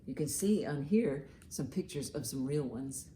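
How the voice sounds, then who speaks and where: A woman with a slightly low voice leads a storytime for young children. Her delivery swings widely in pitch as she reads and explains things simply and expressively. There is noticeable noise in the background. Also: lively intonation, normal speed, dark tone. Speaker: children's librarian, storytime host. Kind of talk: children's storytime, reading a picture book aloud and commenting.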